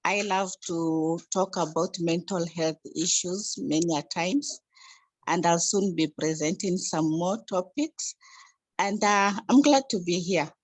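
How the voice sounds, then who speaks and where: A woman from Kenya, a psychologist and nurse, introducing herself in a friendly, unhurried way on a video call. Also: on the low side, no room sound.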